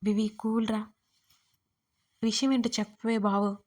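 A woman's voice: medium pitch, level tone, unhurried, a little mellow, close to an everyday voice. A woman voicing a blunt, bold young friend. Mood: concerned. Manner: blunt, teasing.

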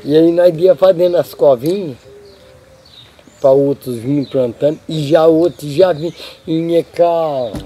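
Older Brazilian farmer with a dark voice. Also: male voice, a little high, slow pace. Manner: plain, short answers, explains with gestures. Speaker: guest. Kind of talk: casual chat.

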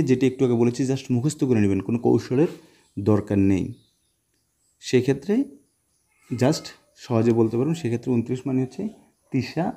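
A Bangladeshi man who teaches Arabic gives a casual video lesson in a mellow, husky, medium-pitched voice. He walks through the material step by step, posing questions and answering them himself, with English phrases mixed in.

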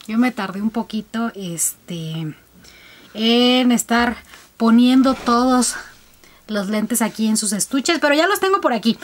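Slow-talking chatty young woman. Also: a little high, a little hiss or hum. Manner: chatty, addresses viewers directly, frequent fillers. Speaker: beauty vlogger reviewing colored contacts. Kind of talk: casual product review.

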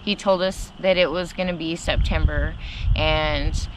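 A woman's voice: sits low, fairly even intonation, a little slow. A young woman in casual, upbeat chat, recorded outdoors by a camera a few meters away. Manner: upbeat, finishes her partner's sentences. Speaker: homesteading vlogger. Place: sunny yard outdoors, seated in camp chairs. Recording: noisy outdoor camera audio.

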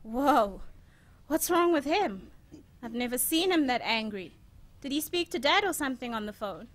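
A woman's voice: sits high, expressive, moderate pace. A woman playing a caring young student, a chatty and protective big sister, in an audio drama. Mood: concerned.

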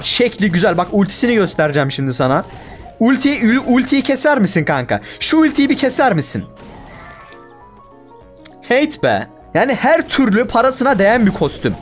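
Excitable high-voiced young man gamer. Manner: excitable, exaggerated frustration, talks to himself. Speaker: gaming YouTuber. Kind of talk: casual gameplay commentary.

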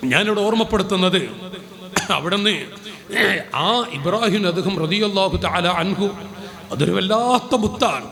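A man's voice: high voice, normal speed, pauses often, a bit bright. Male preacher, fervent dramatic storyteller, long hall reverb. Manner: dramatic storyteller, fervent and rising at key moments. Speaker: Islamic preacher. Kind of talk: storytelling sermon. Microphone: live PA microphone.

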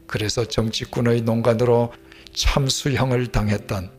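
An older male pastor delivering a measured, earnest sermon, often dropping to a hushed whisper at the ends of sentences, on a headset mic. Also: medium pitch, steady tone, soft background music. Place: plain studio stage, indoors.

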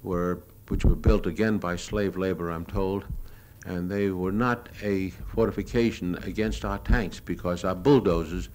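A low-pitched American man talks through his old home movies in a matter-of-fact, unscripted way. He reminisces hesitantly, like a cameraman explaining his shots. The old live recording has light background noise. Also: fairly even intonation, measured pace, few pauses, a little mellow. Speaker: newsreel cameraman.

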